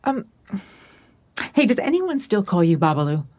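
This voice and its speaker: A woman playing a kindly middle-aged former therapist in an audio drama, gentle, effusive and a little hesitant, in naturalistic conversation. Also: mid-range voice, sing-song, normal speed. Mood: tender. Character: kindly older woman, former therapist, friend of a late mother.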